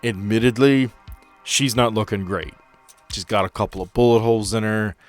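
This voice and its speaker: Low-voiced man running a tabletop game. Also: steady tone, normal speed, faint music behind. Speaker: game master of a tabletop role-playing podcast. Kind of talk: narrating and refereeing a tabletop game, conversational.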